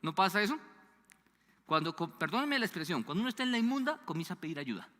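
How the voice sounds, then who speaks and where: A Colombian man in his fifties with a Bogotá accent, preaching a sermon in an animated way, asking the congregation questions and sometimes dropping to a low, hushed voice. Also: fast. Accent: Colombian Spanish (Bogotá). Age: 50s. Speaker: pastor. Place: church sanctuary. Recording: long church hall reverb.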